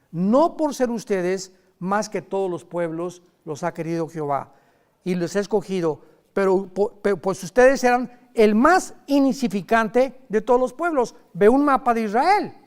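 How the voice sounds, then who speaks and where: A man preaching a sermon in a lively, conversational way, with sudden loud emphasis and quick asides. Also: high-pitched.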